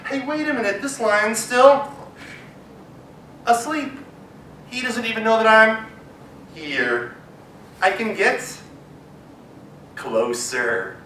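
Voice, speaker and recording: A man voicing a tiny, bold young female mouse who talks in a squeaky, eager way. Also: lively intonation, takes it slowly, pauses often, sharp tone, reverberant, distant mic, slight background noise, heavily acted, rough recording. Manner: squeaky, eager, breathless pleading.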